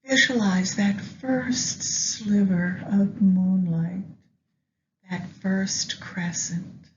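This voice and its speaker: A woman leading a guided meditation with astrology, speaking gently and in measured short phrases with long pauses. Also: medium pitch, fairly even intonation. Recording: dull lo-fi sound, faint background noise.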